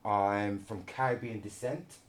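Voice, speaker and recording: Deep-voiced restless man hosting a podcast. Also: measured pace. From London, England. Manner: animated and restless, with many restarts and repeated words. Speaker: podcast host. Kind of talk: casual conversational podcast.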